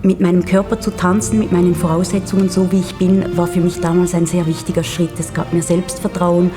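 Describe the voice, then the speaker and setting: A woman's voice: lowish voice, little pitch movement, moderate pace, music in the background. A woman, a dancer, speaking earnestly in an interview, with small hesitations. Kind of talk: interview portrait.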